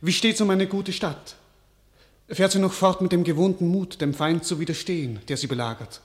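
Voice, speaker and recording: A man's voice: high voice, normal speed, close to an everyday voice. A man playing a weak, emotional French king in a classical radio drama, theatrical and declamatory. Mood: troubled.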